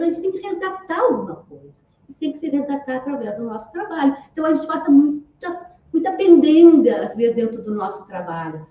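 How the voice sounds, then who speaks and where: A woman with a high voice delivers a Spiritist talk in an easy, conversational way, often closing her phrases with a questioning tag. She sounds distant from the mic in a roomy, echoey space, and the recording is somewhat dull. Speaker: Spiritist speaker.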